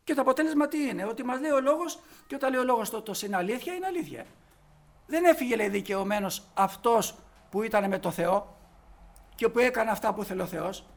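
Man, preacher, high voice, fervent sermon, loud emphatic peaks.

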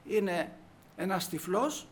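Male preacher with a high voice, delivering a sermon with force and rhetorical questions. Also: animated, a little hiss or hum. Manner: emphatic, asks the congregation rhetorical questions.

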